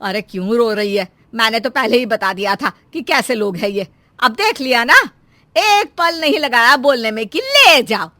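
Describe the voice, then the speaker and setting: A woman voicing a sharp-tongued, meddling middle-aged mother in a cartoon family story, loud and taunting. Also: fairly high pitch, expressive, normal speed, no room sound. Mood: scornful.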